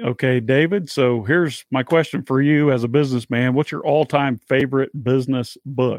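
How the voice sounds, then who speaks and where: A plain, everyday voice carries fairly even intonation throughout. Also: man, medium pitch for a man, moderate pace, hardly any pauses. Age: 30s. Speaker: podcast host. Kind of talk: casual interview.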